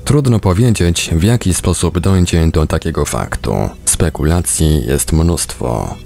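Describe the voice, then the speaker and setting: A man reading an audiobook as scripted narration, measured and with deliberate pauses. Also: sits low, lively intonation, vocal fry, a little mellow. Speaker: audiobook reader on a radio programme.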